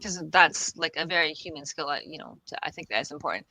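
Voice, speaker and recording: Bright, reassuring woman on a podcast. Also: sits low, animated, quick pace, poor audio. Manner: reassuring, laughs often, repeats herself. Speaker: guest expert on the future of work. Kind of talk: casual podcast interview.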